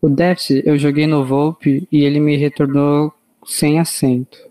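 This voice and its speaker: A man's voice: fairly high pitch, level tone, measured pace, dark tone. A man with a Brazilian Portuguese accent, a student asking hesitant questions during an online class. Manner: hesitant, searching for words.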